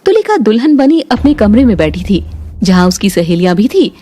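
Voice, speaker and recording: A woman narrating a cartoon story in a steady, matter-of-fact way. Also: medium pitch, normal speed, husky.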